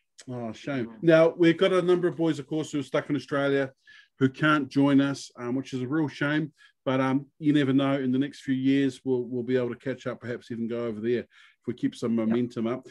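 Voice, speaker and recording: A man with a New Zealand accent talks at a fairly quick pace and medium pitch, his intonation fairly even. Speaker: podcast host. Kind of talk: casual interview.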